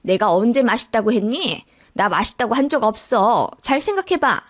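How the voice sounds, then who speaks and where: A woman's voice: a little high, sing-song, normal speed. A woman voicing a grudging older mother-in-law in a radio-drama story, with curt, dismissive retorts.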